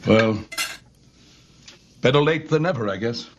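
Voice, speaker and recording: An actor playing an older, stern widowed father who bursts into shouting, with a husky voice. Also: medium pitch, expressive, measured pace, dull audio, slight background noise, close to an everyday voice. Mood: angry. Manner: shouting in outbursts, then quiet regret. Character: stern widowed father, bitter and quick to yell.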